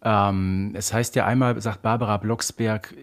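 A man's voice: on the low side, fairly even intonation, a little slow. Emphatic man debating on a podcast. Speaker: podcast co-host. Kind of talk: casual, opinionated podcast discussion.

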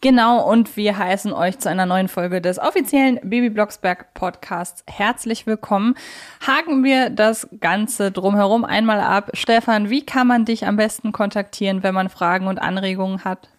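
A woman's voice: mid-range voice, moderate pace. A woman hosts a podcast in a casual, conversational way. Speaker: podcast host.

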